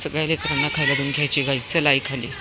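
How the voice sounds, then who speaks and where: A woman's voice: rumbling low, level tone, fast. A woman walking her dog and feeding street dogs at night, coaxing and scolding the dog and raising her voice to call it. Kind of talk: casual vlog narration while walking a dog. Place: apartment building and street at night. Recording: street noise behind.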